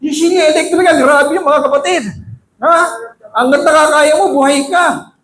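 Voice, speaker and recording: A male preacher delivering a sermon, calling out to the congregation for amens and swinging between loud, high exclamations and low, quiet asides. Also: fairly even intonation, moderate pace. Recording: echoey room with faint ambient noise.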